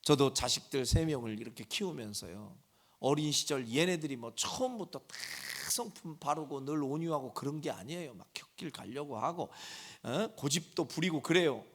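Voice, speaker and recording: A man's voice: fairly high pitch, expressive, moderate pace. A middle-aged male pastor preaching a sermon in a church, dramatically acting out quoted voices. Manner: dramatic, acts out quoted parents and children. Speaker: senior pastor. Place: church sanctuary.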